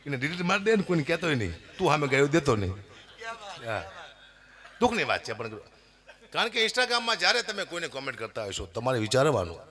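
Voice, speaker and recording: A middle-aged man, performing a stage comedy monologue full of laughter and loud outbursts. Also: on the high side, fast. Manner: lively storytelling with laughter, loud bursts for quoted voices. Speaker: folk comedian performing at a dayro.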